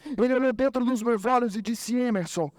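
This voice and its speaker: A man's voice: very high-pitched, fairly even intonation, a little fast, dry recording. A male preacher tells a testimony in a sermon, emotional and acting out each voice. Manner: emotional storyteller, acts out every voice.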